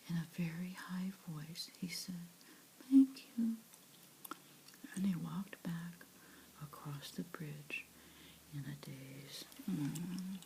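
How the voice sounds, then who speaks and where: A woman reads a children's story in an ASMR whisper, slow and unhurried. Her low voice carries a gravelly texture, with faint background noise. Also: steady tone, rough recording. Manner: whispered, gentle asides.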